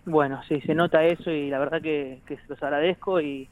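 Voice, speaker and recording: Over phone-quality sound, a brisk, fairly even voice on the high side belongs to a thirty-something Argentine musician. As the guest in an informal interview, he rambles and laughs often between jokes.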